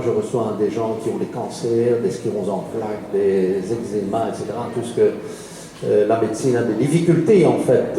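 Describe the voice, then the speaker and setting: Belgian lecturer from Liège, fifties, man, deep mellow tone, hesitant with fillers, heavy hall echo. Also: a little hiss or hum. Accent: Liège Belgian French. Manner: hesitant, frequent fillers, chuckles between points. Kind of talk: public lecture. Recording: echoey hall with long reverb.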